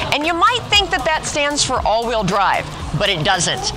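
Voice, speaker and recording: A woman speaks in a raised, projected voice over clear music in the background. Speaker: presenter. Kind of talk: commentary. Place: hall.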